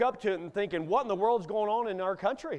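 An American-accented man speaks at a high pitch. His tone is animated, and the background is quiet. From Kentucky. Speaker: guest preacher, pastor. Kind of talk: Baptist Sunday sermon, fervent exhortation to the congregation. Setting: church auditorium with congregation. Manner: animated, emphatic preacher cadence with rhetorical asides; rapid run-on delivery, banter-like direct address to the young.

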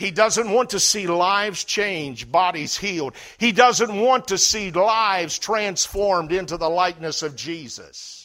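A man with an American accent speaks in a raised, projected voice with hardly any pauses. His pitch is high and his tone bright and sharp. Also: ordinary pitch variation. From Washington DC area. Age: 60s. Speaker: preacher. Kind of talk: sermon. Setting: church. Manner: animated.

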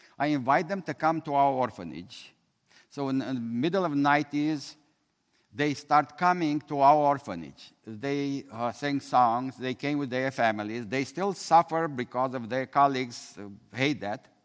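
A man with a Romanian accent speaks at a moderate pace, his fairly high voice showing ordinary pitch variation. The recording is very clean, with a silent background. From Romania, Transylvania. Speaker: medical missionary doctor. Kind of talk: testimony. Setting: stage with audience.

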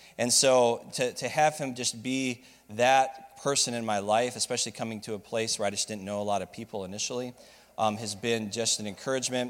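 A man speaks at a fairly quick pace with a plain, everyday voice, medium pitch and fairly even intonation. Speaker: senior pastor. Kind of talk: church service introduction. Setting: church.

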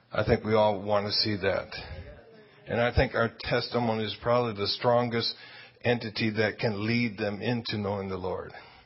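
Speaking at a moderate pace, a man with a slight Northern US accent has a medium pitch. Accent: slightly northern US, near Yankee. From Michigan, US. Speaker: missionary preacher. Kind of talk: sermon. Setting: church. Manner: animated.

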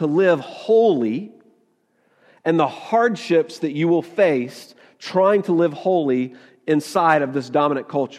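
Against a quiet background, a man with a Southern US accent speaks at a moderate pace in a fairly high pitch, his intonation lively. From US South. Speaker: pastor. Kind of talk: sermon. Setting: church.

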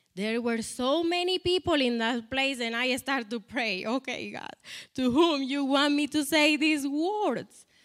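The recording is very clean, the background silent. A woman speaks at a high pitch and a fairly slow pace. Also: ordinary pitch variation. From Colombia. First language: Spanish. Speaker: missionary. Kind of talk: church talk. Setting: church.

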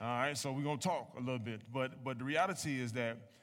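A man with an American accent talks at a very fast pace in a fairly high pitch, his tone animated, with audible echo in the room. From Cleveland, Ohio. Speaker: pastor. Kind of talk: sermon.

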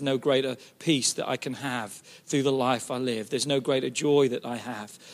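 A man speaks at a moderate pace in a plain, everyday voice with medium pitch, on a very clean recording with a silent background. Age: 40s. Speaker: pastor. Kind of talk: leadership workshop talk.

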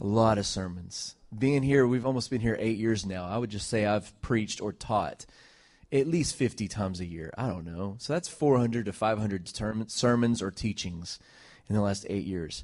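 Over a quiet background, a man talks with a fairly low pitch and ordinary pitch variation. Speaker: pastor. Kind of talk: sermon. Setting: church. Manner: fast talker.

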